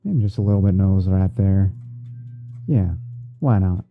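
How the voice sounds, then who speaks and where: A man hosting an ASMR livestream, narrating his editing step by step in an unhurried way, as if murmuring to himself while he works. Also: sits low, soft background music. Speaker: streamer hosting a roleplay. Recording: muffled phone-like band-limited audio.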